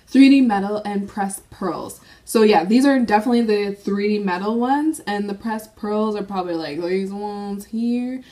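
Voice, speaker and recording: A woman's voice: mid-range voice, darkish tone. A young woman swatching a makeup palette in a casual vlog, gushing with gasps and exclamations. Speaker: beauty vlogger.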